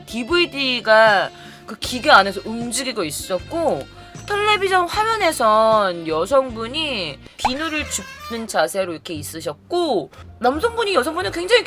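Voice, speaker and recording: Woman vlogger, casual storyteller, animated and laughing, faint music underneath. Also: on the high side. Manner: animated, laughing often, acting out quoted lines.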